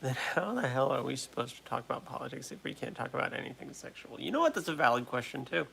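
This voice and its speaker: An American man in his late twenties hosting a casual livestream chat, talking in a halting, repetitive way that often interrupts itself. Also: mid-range voice, creaky, a bit bright, slight background noise. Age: late 20s. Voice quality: trouble pronouncing R sounds. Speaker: livestream host. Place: at home.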